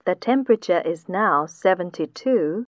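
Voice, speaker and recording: A woman reading a weather report slowly and clearly for a listening test, with a dull lo-fi sound like AM radio. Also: lowish voice, expressive, no echo. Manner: slow, deliberate, clearly enunciated reading. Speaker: test passage reader.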